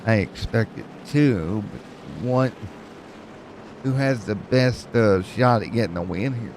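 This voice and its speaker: A man's voice: lowish voice, expressive, slow pace, noisy background. A man calling an esports race, with jokes and rambling play-by-play. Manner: joking, rambling play-by-play with fillers. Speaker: race commentator.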